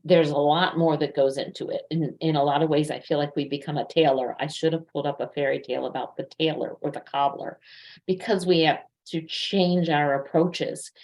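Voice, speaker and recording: A woman with a low-pitched voice presents in an informal, educational style. She talks conversationally, like a coach explaining things from her own experience. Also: steady tone, fairly quick, a little mellow, poor audio. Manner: conversational, illustrates points with personal anecdotes.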